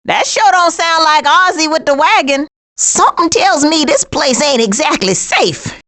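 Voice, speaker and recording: A streetwise female skunk from a cartoon video game, with a high voice that swings widely in pitch. She has an American accent and a sassy, sarcastic manner. Her slangy wisecracks come out as punchy one-liners. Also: expressive, measured pace, bright, forceful tone, heavily acted. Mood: wary, sarcastic. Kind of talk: video game character voice lines.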